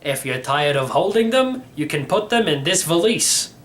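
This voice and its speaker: A man's voice: a little high, big pitch swings, normal speed, fairly bright tone, a little hiss or hum. A man voicing an eccentric, very old great-uncle in a storybook, speaking in clipped, matter-of-fact phrases.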